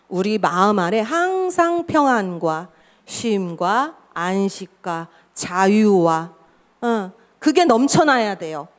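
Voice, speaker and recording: A middle-aged woman pastor giving a sermon, laughing often and acting out quoted dialogue. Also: fairly high pitch.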